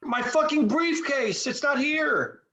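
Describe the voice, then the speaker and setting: A woman's voice: high voice, expressive, slow, fairly bright tone, full character voice. A woman playing a laid-back, bewildered male slacker in a table read, drawling and laconic. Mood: exasperated. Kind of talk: amateur virtual table read.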